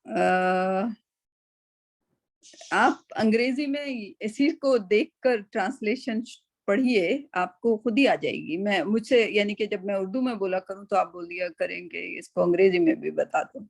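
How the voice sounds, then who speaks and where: Chatty woman teacher with a gravelly voice. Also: medium pitch. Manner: casual, chatty, mixes English into speech, keeps asking "right?". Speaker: Quran and Arabic teacher. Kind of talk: online class discussion.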